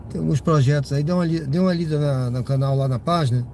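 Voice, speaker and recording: A man's voice: fairly high pitch, fairly even intonation, fast, warm tone. Slightly stuffy-nosed chatty man driving. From Brazil. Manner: rambling, chatty, lots of tag questions to viewers. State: slightly congested from a cold. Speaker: rideshare driver streaming live. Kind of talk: casual live-stream chat while driving. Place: inside a car driving at night. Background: car and road noise.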